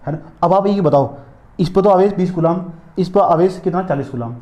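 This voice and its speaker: A man lecturing a physics class at a rapid clip, his voice sitting a little high. He keeps repeating himself and firing questions, then answering them. The sound is dull and lo-fi, bouncing around a roomy classroom. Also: mellow. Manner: repetitive, drilling questions to students. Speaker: physics teacher.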